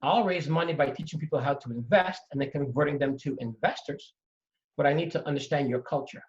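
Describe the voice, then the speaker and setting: A middle-aged man from Trinidad and Tobago tells his story with lively emphasis. His voice sits a little high for a man. The audio is dull and lo-fi, as if the top end is gone. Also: fairly quick. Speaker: real estate investor guest. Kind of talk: storytelling in conversation.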